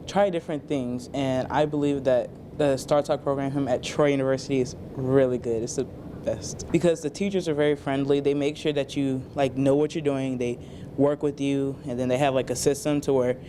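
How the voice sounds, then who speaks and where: Teen camper, casual, darkish tone, faint rumble behind. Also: steady tone, moderate pace, dark tone. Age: teens. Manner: casual, many "like" fillers. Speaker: camp student. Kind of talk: news interview.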